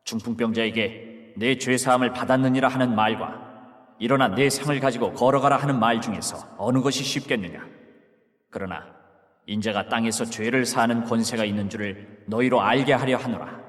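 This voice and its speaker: A man's voice: mid-range voice, brisk, natural voice. Man doing a solemn authoritative teacher, grave commanding delivery, long reverb, mid-range voice. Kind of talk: dramatized scripture reading.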